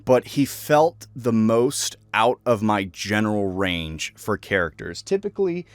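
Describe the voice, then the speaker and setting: A man's voice: lowish voice, sing-song, a little slow, no echo. A man talking casually to viewers as a voice actor, presenting favorite characters.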